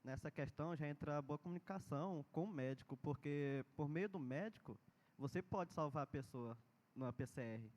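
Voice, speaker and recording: A man's voice: on the high side, moderate pace, darkish tone. Earnest man answering at a seminar. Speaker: seminar participant.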